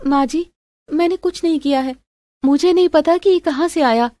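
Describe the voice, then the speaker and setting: A woman's voice: sits high, moderate pace, dark tone, no room sound, pitched above the performer's own voice, natural voice. A woman voicing a meek, wronged young daughter-in-law who pleads, in a melodramatic family story. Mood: tearful pleading. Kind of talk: melodramatic audio story acting.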